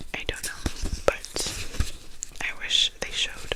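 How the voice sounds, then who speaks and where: Noticeable background noise fills the recording. Beneath it, someone whispers. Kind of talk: ASMR book tapping video with casual chat. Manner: whispered, soft-spoken.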